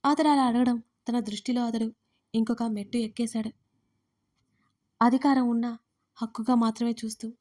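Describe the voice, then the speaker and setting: A woman narrating a romance audio story in a calm, even reading voice. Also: fairly high pitch.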